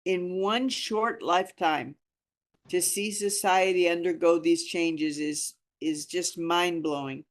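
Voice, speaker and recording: A woman's voice: on the low side, steady tone, slow pace. Earnest, emphatic woman in her sixties. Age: 60s. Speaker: reading group leader. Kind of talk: informal group discussion talk.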